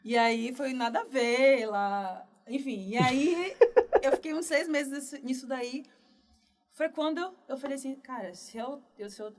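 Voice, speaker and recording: A woman from Northeast Brazil, a developer guest telling her career story in a relaxed, chatty interview. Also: sits high, a little slow, soft background music. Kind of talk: casual podcast interview.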